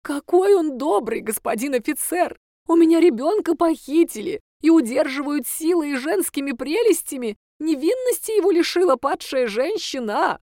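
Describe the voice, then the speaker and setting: A woman's voice: a little mellow, no echo, clean studio sound, lightly acted. A woman voicing a hysterical older mother who wails and laments theatrically in a storybook reading. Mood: plaintive. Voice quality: shrill, wailing. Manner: drawn-out melodramatic lamenting.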